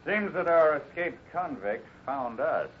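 An actor playing a steady, defiant cowboy hero in a radio adventure, speaking in a firm, measured way. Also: male voice, a little high. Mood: calm defiance. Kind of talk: 1950s radio adventure acting. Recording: muffled, noisy 1950s radio recording.

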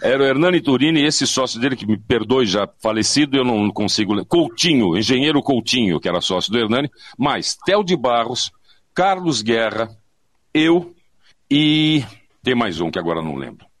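A man's voice: mid-range voice, normal speed, no room sound, studio quality. An older Brazilian man telling anecdotes casually as an interview guest, repeating phrases for emphasis and acting out what people said. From São Paulo, Brazil. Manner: animated, acts out quoted speech, repeats phrases for emphasis. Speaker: interview guest, veteran of advertising audio and voice work. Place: remote online conversation.

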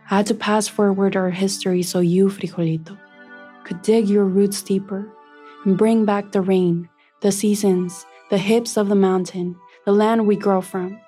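A woman's voice: medium pitch, warm tone, slightly rough. A woman playing Maíz, a wise eldest sister of corn, in a solemn, lyrical audio fiction narration.

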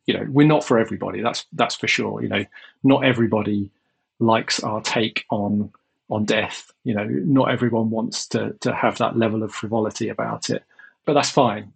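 A man speaking as a guest in a podcast interview, measured and repeating words as he thinks. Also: medium pitch, vocal fry, slightly rough. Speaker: guest, insurance company executive.

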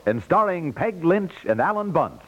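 A man's voice: on the high side, very animated, normal speed. A man with an American accent reading scripted 1950s network radio announcements in a polished, upbeat sales delivery. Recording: dull lo-fi 1950s radio recording.

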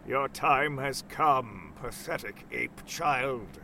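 A man's voice: mid-range voice, animated, slow pace, gravelly, bright, forceful tone, a little hiss or hum, heavily acted. A man voicing a playful, theatrical shape-shifting slug monster in a spoken story. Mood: mock menace. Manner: theatrical, swings between goofy and ominous.

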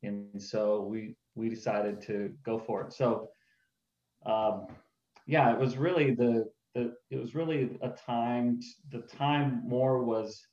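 A man's voice: mid-range voice, steady tone, takes it slowly, warm tone, reverberant, dull audio. A man in his forties with a Northern Midwest American accent, talking earnestly as an interview guest, laughing easily with frequent fillers. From upper Midwest of the USA. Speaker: church planter, interview guest. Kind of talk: casual interview conversation.

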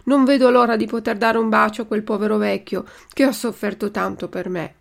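Woman voicing an excitable puppet boy, higher and louder than her narration, eager storybook hero. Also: a little fast, creaky. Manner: eager, exclaiming.

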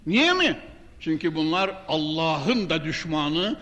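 A man's voice: fairly high pitch, big pitch swings, takes it slowly, pushed and bright, muffled recording. An older man delivers an emphatic mosque sermon at a pulpit microphone, addressing the congregation directly and quoting scripture. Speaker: mosque preacher. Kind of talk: sermon from the pulpit, with Quran quotations. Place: large mosque, indoors. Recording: reverberant hall, pulpit microphone.

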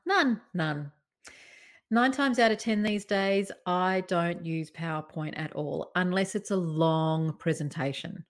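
A woman giving presentation tips in a conversational, expressive way, varying her tone and emphasis. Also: mid-range voice. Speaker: presentation coach. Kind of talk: talking-head presentation tips.

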